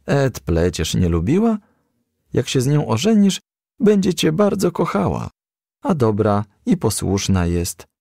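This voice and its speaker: A man's voice: medium pitch, wildly swooping pitch, a little slow, creaky, darkish tone, dry recording, studio quality, voice pushed up, full character voice. A man voicing a practical female firefly who coaxes and admonishes in a storybook. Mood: coaxing. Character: female firefly confidante, coaxing, practical, firm.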